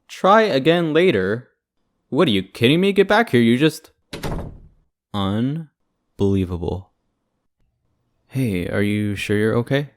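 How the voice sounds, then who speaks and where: A man's voice: lowish voice, dry recording, lightly acted. A young man playing a devoted, panicky boyfriend with casual, sarcastic asides in an audio roleplay. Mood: outraged. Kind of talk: ASMR audio roleplay acting.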